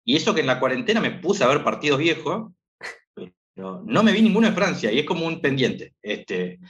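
A man in his thirties from Argentina, with an Argentine accent, talking casually as a guest and filling his pauses with "este". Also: a little high, sing-song, fairly bright tone, muffled recording. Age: 30s. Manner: rambling, lots of filler "este". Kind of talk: casual chat.

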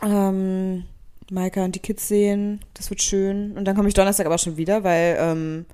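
A young woman in her late twenties chats casually as a podcast co-host. Her voice is mellow and warm, middle-pitched. She rambles and laughs easily. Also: flat delivery, moderate pace, smooth. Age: 20s. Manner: chatty, laughs often, rambling. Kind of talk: casual chat.

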